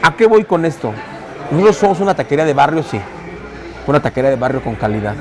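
Sitting for a camera interview in his bustling indoor taquería, a man in his forties with a Mexican Spanish accent relates how his business came to be. His fairly high voice is very animated and fast, relaxed but marked by hesitant restarts. Crowd noise surrounds him, with music underneath.

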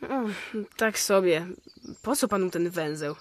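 A man's voice: high voice, animated, unhurried. An actor playing a blunt, curious eleven-year-old boy in a radio drama. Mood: curious, matter-of-fact.

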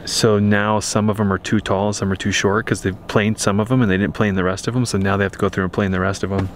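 A man's voice: lowish voice, fast, a little hiss or hum. A man, the homeowner, chatting casually on camera at an outdoor building workshop and telling stories in a rambling way. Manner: rambling, animated storytelling.

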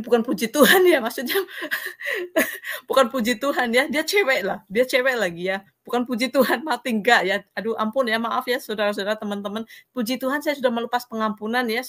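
A woman giving a personal faith testimony in an interview, telling her story in an earnest, halting way over a video call. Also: on the high side, fairly bright tone.

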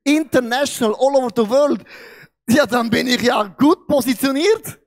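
A man preaches from a large church stage, speaking into a handheld mic. His voice sits fairly high for a man. He acts out the story, turning loud and then suddenly hushed. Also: normal speed. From Switzerland. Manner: animated storytelling, swings between loud and hushed. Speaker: pastor. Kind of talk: sermon with acted-out story.

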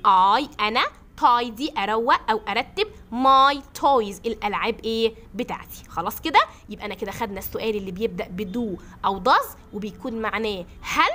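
High-voiced Egyptian woman teaching grammar. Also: bright, forceful tone, a little hiss or hum. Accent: Egyptian Arabic. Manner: patient, repeats examples slowly and voices pupils' questions. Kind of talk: classroom grammar lesson.

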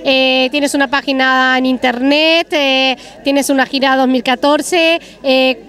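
High-pitched lady reporter, gushing and chatty, interviewing outside with a handheld mic. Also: steady tone, slow. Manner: warm praising, chatty with fillers. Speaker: event reporter. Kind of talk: casual interview. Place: outdoor restaurant terrace.

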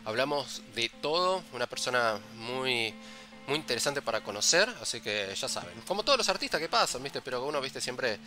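An Argentine man with a Rioplatense accent co-hosts a casual podcast in a loose, joking tone. His voice is strikingly bright and sharp, and a soft bed of music plays faintly behind him. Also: medium pitch, animated, moderate pace. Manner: loose, joking, peppers talk with "viste". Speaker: podcast co-host. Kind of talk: casual chat.

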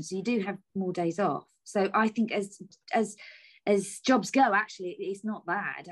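A woman speaks in a thoughtful, hesitant way, stopping to rephrase as she goes. Her voice sits at a middle pitch for a woman and comes through a laptop on a video call. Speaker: soap actress. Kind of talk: casual interview chat.

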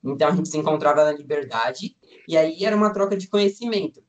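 A man's voice: fairly high pitch, fast. A nineteen-year-old Brazilian man, a student guest, chatting casually in an interview and rambling with lots of fillers. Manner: relaxed, rambling, many fillers like "tipo" and "assim".

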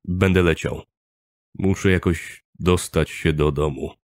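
A man voicing a weary, subdued male doctor who speaks quietly and with restraint, hiding fear. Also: low voice, measured pace, no echo.

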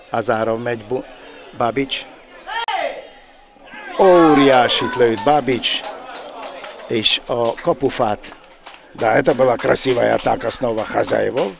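A male sports commentator with a gravelly, creaky voice of medium pitch. He calls the football live in an excited, exclamatory way, drawing out his cries as he follows the play. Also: crowd noise.

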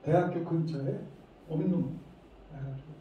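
A middle-aged man giving a lively lecture to parents, acting out how parents scold and leading the room in reciting phrases. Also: on the high side, measured pace. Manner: animated, acts out scolding parents, leads group recitation. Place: lecture hall. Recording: echoey hall, distant mic, dull faint noise.

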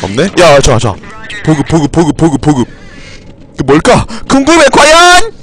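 A man streaming a zombie shooter, commenting live, muttering one moment and cursing loudly the next. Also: on the high side, moderate pace. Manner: excitable, swings between mutters and furious cursing shouts. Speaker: game streamer.

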